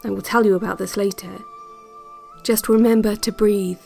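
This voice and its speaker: An actress playing a calm, yearning woman who narrates secret relaxation cassettes in a measured, intimate audio drama monologue. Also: mid-range voice, gravelly, faint music behind, lightly acted. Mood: hopeful, soothing. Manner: measured, deliberate, repetitive phrasing.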